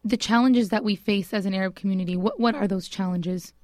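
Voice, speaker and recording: Female interviewer, mid-range pitch, casual conversational questioning, recorded very dry with no room sound. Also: brisk, darkish tone, no echo.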